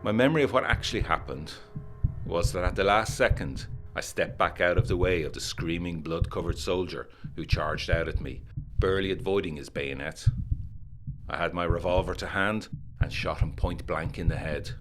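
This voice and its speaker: An actor playing a haunted, introspective 1920s gentleman and former army captain, reading a letter in a formal, measured, grave way in a gothic audio drama. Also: low-pitched, faint music behind. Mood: shaken, uneasy.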